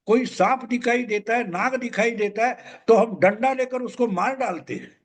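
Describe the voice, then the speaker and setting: Older male commentator, very high voice, emphatic and repetitive solo monologue. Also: breathy edge. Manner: emphatic, repeats points. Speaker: political commentator.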